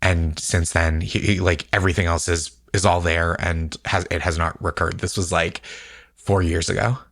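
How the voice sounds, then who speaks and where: A man co-hosting a relaxed bedtime podcast, talking in loose, casual, halting phrases. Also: deep voice, dry recording, studio quality. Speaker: podcast co-host.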